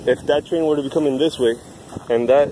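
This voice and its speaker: The speech moves at a fairly quick pace. The sound is dry with no echo, and there is light background noise. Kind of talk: tutorial. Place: open country. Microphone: phone near.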